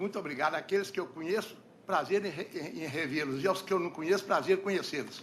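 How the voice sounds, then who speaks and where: A man talks at a very fast pace in a high pitch with ordinary pitch variation. Audible room echo surrounds his voice. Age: 80s+. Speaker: lawyer. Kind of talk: courtroom remarks. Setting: courtroom. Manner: halting, stuttering.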